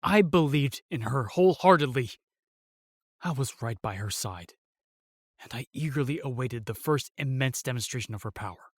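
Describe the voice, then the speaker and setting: A man playing a solemn, remorseful knight in a fantasy audio drama, telling things in a halting, weighty way. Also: mid-range voice, expressive, no echo, clean studio sound. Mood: bitter, regretful. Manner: halting, weighty storytelling with sighs and pauses. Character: solemn, remorseful knight, sworn protector of the realm.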